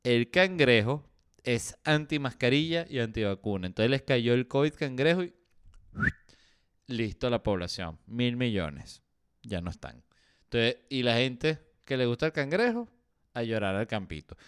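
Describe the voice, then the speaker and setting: Smooth-voiced Venezuelan man joking on a podcast. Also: mid-range voice, big pitch swings, measured pace, no room sound, studio quality. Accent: Venezuelan Spanish. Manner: joking, acts out quoted voices, lots of fillers. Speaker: podcast host. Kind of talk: casual comedic podcast chat.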